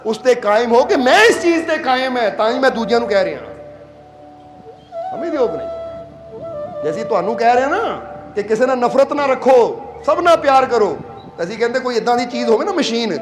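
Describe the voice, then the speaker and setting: A man's voice: extremely high pitch, very animated, fairly quick, reverberant, over music. A man from Punjab, India, giving a sermon as a spiritual leader, telling stories and often asking listeners if they understand. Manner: storytelling, plain conversational preaching. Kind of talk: sermon to a congregation.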